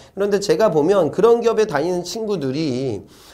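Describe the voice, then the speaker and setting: In a room with audible echo, a man with a high pitch and a dark, mellow tone swings his pitch very widely. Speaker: job exam prep instructor. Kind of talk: online lecture. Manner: fast; casual, conversational.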